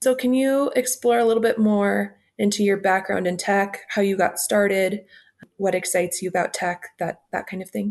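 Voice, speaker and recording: An unremarkable speaking voice from a woman, medium in pitch, with ordinary pitch variation, a moderate pace and a quiet background. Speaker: podcast co-producer interviewing the host. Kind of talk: casual interview.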